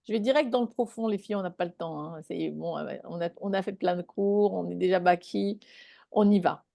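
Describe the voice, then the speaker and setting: A woman's voice: on the low side, brisk, gravelly, dark tone, no room sound, studio quality. A woman giving a live spiritual talk to a small online group, speaking conversationally and checking in with her listeners.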